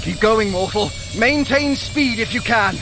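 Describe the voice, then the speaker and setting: High-pitched, haughty, swooping trickster god. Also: male voice, lively intonation, unhurried. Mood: dry, commanding. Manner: theatrical, haughty, articulate, wry. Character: sharp-tongued, sarcastic trickster god, male, proud sorcerer under strain. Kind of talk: audio drama acting. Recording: loud roaring storm and vehicle-like noise behind.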